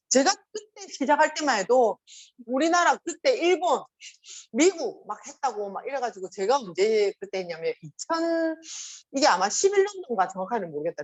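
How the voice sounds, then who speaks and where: A middle-aged woman with a Gyeongsang accent gives a motivational seminar talk, animated and acting out quoted voices. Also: a little high. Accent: Gyeongsang Korean. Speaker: motivational speaker.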